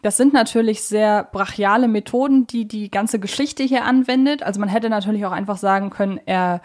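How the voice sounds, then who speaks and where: A woman's voice: medium pitch, brisk, a little mellow. Reflective woman podcaster. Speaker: podcast co-host. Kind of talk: casual conversational podcast discussion.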